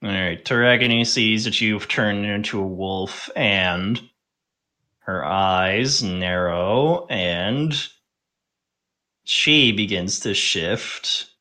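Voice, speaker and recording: Male game master for tabletop play: slow, halting delivery with a bright, forward edge. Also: lowish voice. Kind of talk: improvised tabletop game narration.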